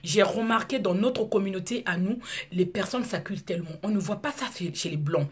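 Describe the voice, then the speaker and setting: Woman, 30s, from Congo, first language Lari; breathy-husky, outspoken vlogger, halting restarts. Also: mid-range voice. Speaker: video blogger. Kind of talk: casual monologue to camera.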